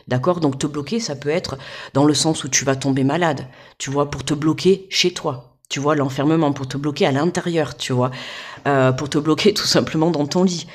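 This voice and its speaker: A woman's voice: sits low, normal speed. Chatty woman giving a card reading. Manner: chatty, keeps checking in with "d'accord?" and "tu vois"; informal, speaks directly to the listener. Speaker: tarot guidance reader. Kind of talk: casual card reading to the viewer. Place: home desk.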